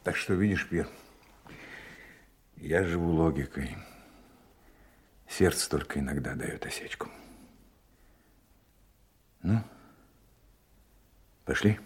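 An actor playing a weary, passionate undercover agent posing as a journalist in an audio drama, speaking with emotional emphasis. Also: male voice, extremely low pitch, slow, pauses often, a little hiss or hum. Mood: subdued, resigned.

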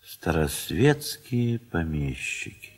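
A man narrating a classic story for a 1970s audio drama, reading in a measured, expressive way with wide swells in pitch and volume. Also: slightly rough. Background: instrumental music.

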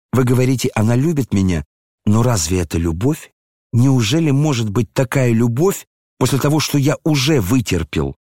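A gentle, troubled young nobleman, voiced by a male reader pleads earnestly in a storybook reading. His voice sits at a middle pitch, dry and close-miked. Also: no echo, lightly acted. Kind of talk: audiobook character reading.

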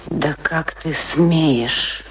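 An actress playing a bitter, gloating, domineering wife with theatrical, biting delivery in a radio play. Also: female voice, low-pitched, drawn-out words, slight background noise. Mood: indignant.

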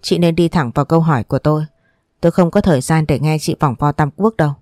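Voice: medium pitch, quick pace, a little mellow, no room sound, studio quality, faint music behind, lightly acted. A storyteller voicing a strict mother-in-law who lectures firmly. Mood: stern. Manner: firm and lecturing.

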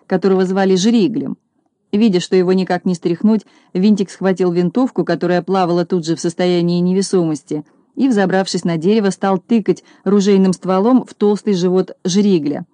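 A woman narrating a children's storybook, steady and expressive. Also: lowish voice, a little fast, no room sound. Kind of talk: storybook reading.

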